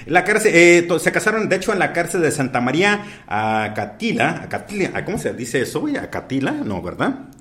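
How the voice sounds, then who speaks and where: A man with a Mexican accent hosts a casual podcast, his speech loaded with crude slang and swear-word fillers. His voice sits a little high and swings widely in pitch as he jokes around. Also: very animated, fairly quick, a bit bright. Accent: Mexican Spanish. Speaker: podcast host. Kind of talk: casual chat.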